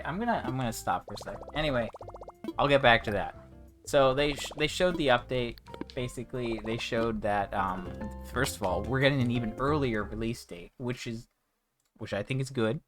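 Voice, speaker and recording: A man streaming a game, chatting casually in a rambling, ranting way with many restarts, interrupted by hiccups. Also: medium pitch. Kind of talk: casual livestream chat while playing. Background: game music.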